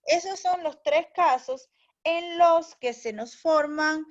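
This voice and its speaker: A high-voiced woman teacher talks slowly and patiently, explaining each step to young pupils and pausing to check that they are following. The recording is slightly dull and lo-fi. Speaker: primary school teacher. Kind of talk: recorded language lesson for children.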